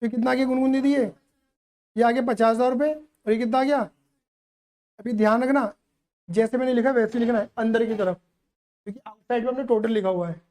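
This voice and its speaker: A man's voice: extremely high pitch, steady tone, brisk, long pauses, a little mellow. A man teaching accountancy to a live class, playful and teasing as he keeps quizzing the students.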